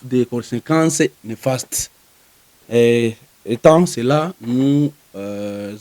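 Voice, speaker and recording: Male spokesperson, Congolese French accent. Mid-pitched, soft-edged voice, formal press statement style with deliberate, wordy phrasing. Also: no room sound. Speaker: spokesperson for a community organisation.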